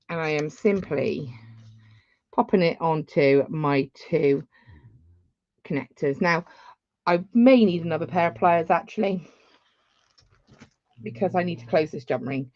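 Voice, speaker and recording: A woman's voice: lowish voice, lively intonation, unhurried, long pauses, a little mellow, no echo, muffled recording. A woman, giving a chatty live beading tutorial with rambling asides. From England.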